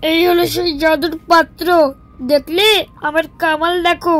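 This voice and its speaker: A woman's voice: very high voice, flat delivery, normal speed, a bit bright. A woman voicing a greedy, sly younger brother in a cartoon moral story, talking in an exaggerated way. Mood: sneaky, gloating. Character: scheming, greedy younger brother, a village husband and thief.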